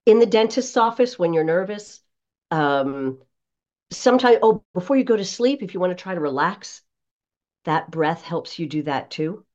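Woman voice coach chatting through tips, really animated delivery, slightly muffled lo-fi sound. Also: fairly low pitch, normal speed. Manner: animated, emphatic, instructive. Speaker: voice coach, podcast guest. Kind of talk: conversational coaching advice.

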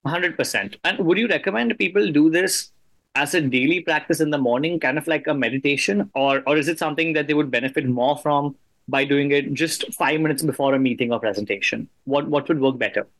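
A man's voice: a little high, a little fast, fairly bright tone. A man hosting a podcast, talking conversationally and reflectively with an interview guest. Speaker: podcast host.

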